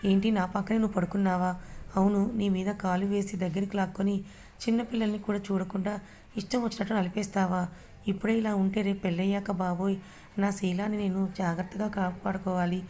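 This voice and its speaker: Woman reader as a guarded young heroine, hesitant, even and mellow. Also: mid-range voice, a little fast, slight background noise, natural voice. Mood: upset. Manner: hesitant, defensive.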